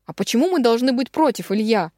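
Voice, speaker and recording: A woman's voice: mid-range voice, lively intonation, moderate pace, no room sound, studio quality, natural voice. A woman doing a pressing, interrogating father. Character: older man, a questioning father and teacher.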